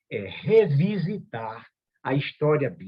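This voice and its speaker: A man with a northeastern Brazilian accent, somewhat breathy and fairly high in pitch. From Brazilian Northeast. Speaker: pastor. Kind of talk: sermon. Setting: video call.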